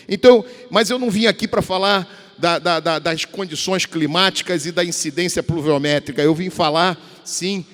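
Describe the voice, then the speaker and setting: A man in his fifties with a Carioca accent from Rio de Janeiro, giving a formal speech as a state deputy, rambling and restarting his words. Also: fairly high pitch. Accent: Carioca Portuguese. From Rio de Janeiro, Brazil. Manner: rambling, repeats and restarts words, addresses colleagues. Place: large legislative chamber. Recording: long reverb of a large hall.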